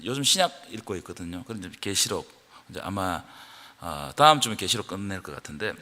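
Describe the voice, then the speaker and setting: A man preaching a Friday prayer meeting sermon, rising to loud, impassioned outbursts and prompting his congregation to answer. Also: lowish voice. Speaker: pastor. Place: church sanctuary. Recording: long reverb of a church hall.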